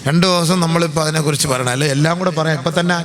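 Chanting preacher, loud and drawn out. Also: male voice, fairly high pitch, crowd noise. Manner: alternates loud drawn-out chanted passages with calm conversational asides; asks the audience questions and jokes with them. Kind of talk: Islamic sermon to a gathering.

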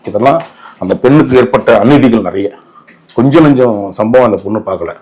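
A man's voice: medium pitch, a little fast, a little mellow, breathy edge. A man with a Tamil Nadu accent giving opinionated interview commentary in an emphatic, indignant way, often posing rhetorical questions.

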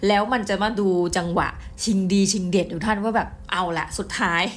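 A middle-aged woman giving a casual book review, chatty and excitable, often speaking straight to her viewers. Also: mid-range voice, fairly quick. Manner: chatty, addresses viewers directly, excitable storytelling.

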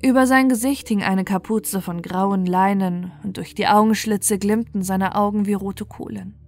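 A woman's voice: mid-range voice, fairly even intonation, moderate pace, a little mellow, faint music behind. A woman reading a scripted bedtime fairy tale as its narrator.

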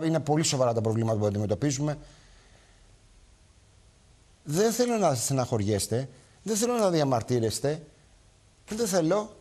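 A man's voice: a little high, dark tone. A man hosting a live television talk show, speaking emphatically to viewers and repeating his points.

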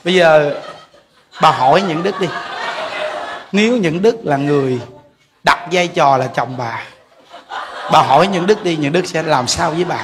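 With a slightly high voice at normal speed, a Buddhist monk with a Southern Vietnamese accent leaves long pauses in his humorous dharma talk. He jokes, laughs often, and speaks straight to the audience, and there's background noise behind him.

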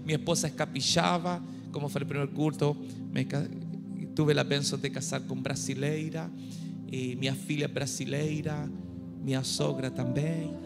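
A middle-aged man from Chile with a Chilean Spanish accent, preaching a humorous sermon into a handheld mic on a church stage and urging the crowd to shout. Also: fairly high pitch, fairly even intonation, normal speed, creaky. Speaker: guest pastor. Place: large dark church stage. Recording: long hall reverb with music behind.

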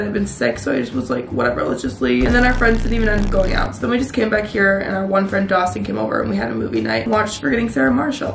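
A woman's voice: mid-range voice, gravelly. A young woman with a cold, sounding congested, rambling casually to a camera on her desk in a small bedroom. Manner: chatty, rambling, self-mocking. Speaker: vlogger. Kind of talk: casual vlog chat to camera. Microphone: camera on a desk in front of her. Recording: echoey room with background noise.

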